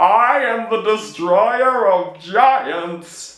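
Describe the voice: A put-on character voice, fairly high in pitch, with a slight echo.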